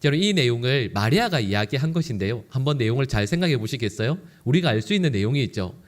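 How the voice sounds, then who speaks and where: Male pastor, Sunday sermon, lively swinging delivery, constant rhetorical questions to the congregation. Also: medium pitch, fast. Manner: animated, acts out quoted lines. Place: church sanctuary.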